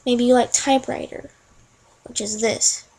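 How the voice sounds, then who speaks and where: Breathy woman narrating a software tutorial. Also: on the high side, fairly even intonation, a little slow, low-quality recording. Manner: chatty, talks through each click as she goes. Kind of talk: casual screen-recorded software tutorial.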